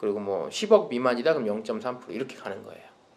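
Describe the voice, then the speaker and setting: A man's voice carries audible room echo. His pitch swings very widely. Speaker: real estate tax instructor. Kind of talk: lecture. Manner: fast.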